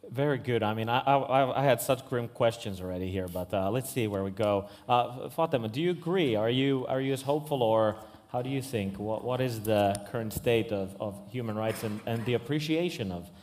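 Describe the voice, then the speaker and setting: A man's voice: mid-range voice, brisk, hardly any pauses, darkish tone. A young man moderating a stage panel, hesitant and stumbling over his words. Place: large stage hall. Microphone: handheld. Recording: long hall reverb.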